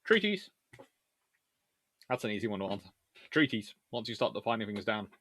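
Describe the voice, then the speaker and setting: A man hosting a casual live question-and-answer stream on naval history, chatty and animated, talking in a stop-start way with trailing asides. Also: lowish voice, normal speed. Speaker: livestream host answering viewer questions.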